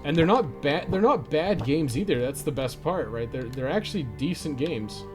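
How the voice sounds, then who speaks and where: Casual man streaming over loud music. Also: fairly high pitch, animated, normal speed. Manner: informal, sweary. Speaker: game livestreamer. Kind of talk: casual chat while playing a game. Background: game music.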